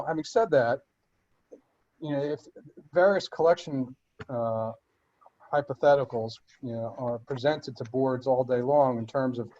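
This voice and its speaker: A man answering board questions in a webinar, explaining legal steps in a measured way with frequent fillers and restarts. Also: mid-range voice, darkish tone, lo-fi sound. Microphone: web conference audio.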